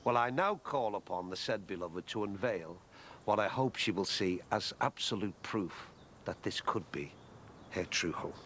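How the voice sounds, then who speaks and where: A bluff man, middle-aged, chatty and jokey, lively ups and downs in pitch, faint hiss. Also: moderate pace. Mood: showy. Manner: chatty, jokey, wordy mock-formal speeches. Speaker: neighbour courting his partner. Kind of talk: TV soap acting.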